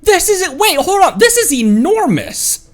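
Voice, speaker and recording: A streamer giving casual, excitable live commentary on a game, exclaiming and often repeating phrases. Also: extremely high pitch, normal speed. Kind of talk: casual gameplay livestream commentary. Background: video game music.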